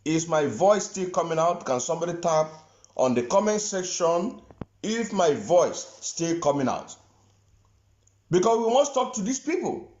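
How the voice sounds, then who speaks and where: A man addresses his livestream audience in a high, animated voice, repeating himself insistently. The room rings around him. The audio is muffled and lo-fi. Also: measured pace, reverberant. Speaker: activist livestreamer. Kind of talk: livestream commentary.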